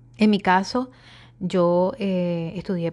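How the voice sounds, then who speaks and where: A medium-pitched woman's voice, dark and mellow in tone, in a very clean recording with a silent background. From Venezuela, Falcón state. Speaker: podcast host. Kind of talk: solo podcast monologue. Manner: hesitant, many fillers.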